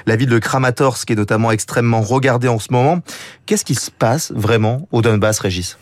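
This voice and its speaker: A male radio host with a mid-range voice introduces his guests in a relaxed, easy manner. He pauses now and then on light hesitations. His studio sound is dry and close to the mic. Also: mid-range voice, dry recording. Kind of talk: live radio presenting.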